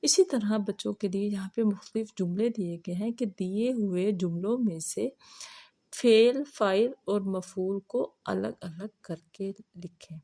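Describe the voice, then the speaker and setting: A woman's voice: mid-range voice, warm tone. Woman teacher explaining a lesson. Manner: recites verses slowly, explains clearly to teachers. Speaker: teacher trainer.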